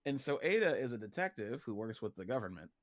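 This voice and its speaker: A man's voice: medium pitch, big pitch swings, fast, no echo, studio quality. A man in a casual livestream chat, explaining a fictional story world in an informal, joking way. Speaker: guest, creator of an original story universe.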